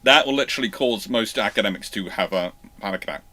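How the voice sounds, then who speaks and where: A man hosting an unscripted livestream, answering questions in a halting, rambling way with repeated and restarted phrases. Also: fairly low pitch, pushed and bright. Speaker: host of a naval history livestream.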